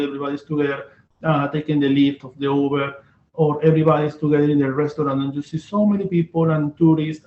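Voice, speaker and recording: A man from Venezuela with a Venezuelan Spanish accent, hosting a casual interview and often halting to search for words. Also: a little high. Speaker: host. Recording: echoey, dull lo-fi room sound.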